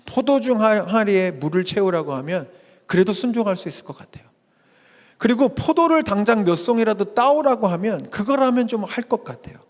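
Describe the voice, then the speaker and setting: A man preaching a lively sermon as pastor, acting out the people in the story with quoted asides. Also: high voice. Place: church sanctuary. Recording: long hall reverb.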